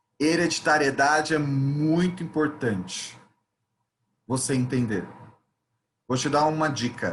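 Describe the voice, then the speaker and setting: A somewhat breathy man at a fairly high pitch, with ordinary pitch variation, a fairly slow pace, long and frequent pauses, very even loudness and audible room echo. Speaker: therapy teacher. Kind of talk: lecture. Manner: animated.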